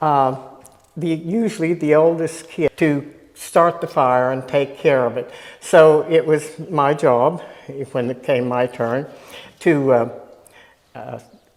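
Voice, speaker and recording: The speaker talks at a very slow pace with an American accent, leaving long, frequent pauses. Noticeable background noise runs underneath. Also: woman, very deep, low pitch for a woman, ordinary pitch variation. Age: 80s+. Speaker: retired schoolteacher. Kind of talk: casual interview.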